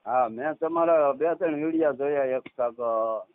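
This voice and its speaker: A man in his thirties with a Saurashtra Gujarati accent, talking casually as a caller in halting, repeated short phrases. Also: a little high, clean tone, no room sound. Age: 30s. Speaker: caller, farmer. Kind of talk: casual phone conversation. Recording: tinny, narrowband phone call recording.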